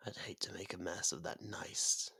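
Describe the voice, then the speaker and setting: An actor playing a sadistic ancient vampire in an ASMR roleplay, seductive, possessive and condescending, with a gravelly, breathy delivery that often sinks into whispers. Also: low-pitched, steady tone, no room sound, full character voice. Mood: commanding, teasing. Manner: slow, hushed, often breathy whispering, theatrical. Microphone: close studio microphone, dry.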